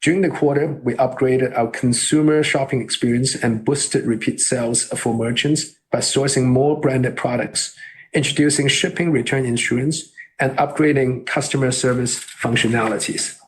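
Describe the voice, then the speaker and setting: A man reading a scripted earnings call presentation as a company executive, in a formal and measured way. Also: medium pitch, steady tone, low-quality recording.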